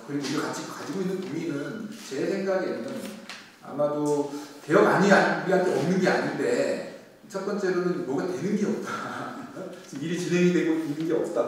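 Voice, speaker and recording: A man's voice: fairly high pitch, far from the mic, a little hiss or hum. Hesitant man in an echoey hall. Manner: deliberate, hesitant, with frequent filler pauses. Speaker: lawyer speaking as a panel discussant. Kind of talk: panel forum remarks. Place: conference hall at a public forum. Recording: echoey hall, picked up from afar.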